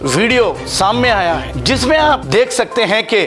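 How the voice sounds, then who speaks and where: Very high-pitched male news presenter. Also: big pitch swings, normal speed. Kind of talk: news bulletin reading with personal asides. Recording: music bed under the voice. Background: music.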